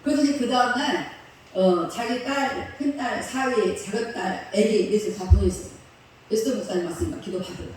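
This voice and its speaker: Her voice is medium in pitch and darkish in tone, with slight hiss or hum, as this woman pastor shares a story during a sermon. Chatty and colloquial, she laughs together with the congregation, and the church sanctuary sounds echoey and distant.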